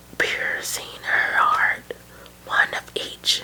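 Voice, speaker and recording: Very slowly, a woman whispers her words. Background noise is clearly audible throughout. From Arkansas. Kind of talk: ASMR bedtime story reading. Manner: whispered.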